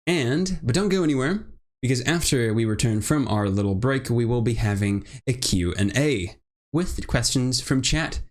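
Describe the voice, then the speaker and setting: Hosting an interview show, this young man from Brazil speaks with an accent blending British and American. He chats in a loose, rambling manner, his mid-range voice moving at a moderate pace with lively intonation.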